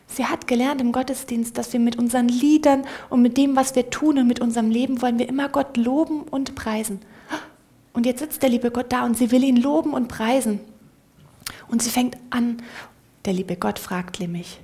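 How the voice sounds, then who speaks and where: Brief: woman storyteller for kids in church, fairly high voice, expressive, slips into whispers. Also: moderate pace. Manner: lively, often dropping to a whisper. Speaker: storyteller for children. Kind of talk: children's story told in church.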